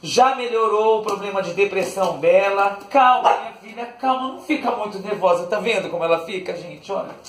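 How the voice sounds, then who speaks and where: A man's voice: sits high, fairly quick, hardly any pauses, recorded from a distance. A man hosting a casual unboxing vlog, sweetly coaxing his dog and laughing often. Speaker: channel host. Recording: echoey room, voice off the mic, faint noise.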